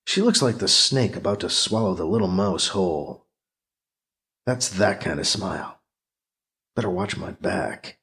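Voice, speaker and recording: A man's voice: sits low, measured pace, long pauses, a bit bright, voice pushed down. A man voicing a suspicious, sarcastic male Catholic priest with a wary, sardonic, terse way of talking, in a science fiction audiobook. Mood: wary, muttering.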